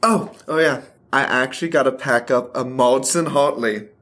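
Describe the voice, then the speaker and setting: A man's voice: medium pitch, normal speed, fairly bright tone, close to an everyday voice. A man acting in a radio play as a wry, catty gay art handler from Missouri, chatty and sardonic in naturalistic dialogue. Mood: chatty, weary.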